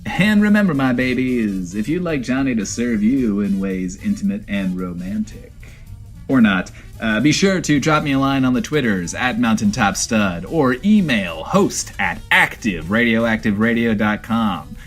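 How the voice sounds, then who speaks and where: Guy doing a vain flirty apocalypse radio host, lowish voice, hammy and rambly, audio comedy thing. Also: expressive, unhurried, faint music behind. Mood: smug, flirty. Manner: theatrical, rambling, self-admiring.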